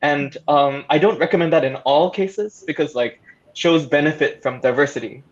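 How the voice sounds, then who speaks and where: A man's voice: on the high side, moderate pace, lo-fi sound. A man talking casually as a panelist, hesitant and thoughtful as he searches for words. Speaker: panelist, audio drama creator.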